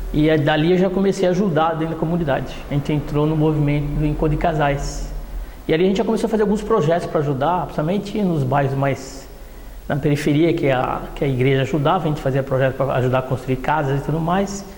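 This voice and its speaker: A man speaks very fast at a fairly high pitch with ordinary pitch variation and very even loudness, with audible room echo and noticeable background noise. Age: 60s. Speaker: civil engineer, parish member interviewee. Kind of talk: interview. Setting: documentary interview. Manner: halting, with repetitions.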